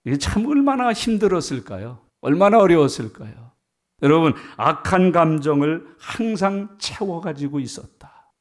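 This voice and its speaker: A man preaching a sermon in a church, animated, often acting out the people he quotes and swinging between loud and soft. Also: fairly high pitch, moderate pace. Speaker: pastor. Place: church sanctuary.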